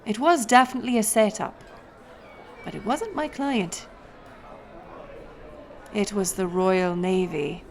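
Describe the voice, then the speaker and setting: A woman's voice: mid-range voice, lively intonation, takes it slowly, gravelly, pauses often, darkish tone. A woman playing a wry, roguish pirate smuggler captain, telling her tale theatrically in an audio roleplay. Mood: teasing, wry. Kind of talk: in-character audio roleplay storytelling.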